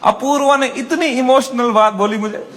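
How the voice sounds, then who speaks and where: A male stand-up comedian telling a story in an animated, crude, self-mocking manner, recorded live on stage. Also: very high-pitched, normal speed. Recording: live stage with audience and noise. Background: audience laughter and room noise.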